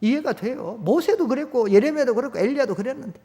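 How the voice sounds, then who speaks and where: Older male pastor, high voice, conversational sermon with loud swells and hushed stories. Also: lively intonation, fast talker. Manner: conversational preaching, rising to loud emphatic peaks, drops low for stories. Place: church sanctuary.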